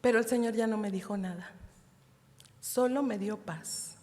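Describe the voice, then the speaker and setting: A woman's voice: medium pitch, warm tone. A middle-aged Mexican woman giving a heartfelt personal testimony to a women's church meeting, speaking straight to her sisters. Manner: heartfelt, addresses listeners as sisters, halting restarts. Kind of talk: emotional personal testimony sermon. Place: church hall. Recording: long church hall reverb.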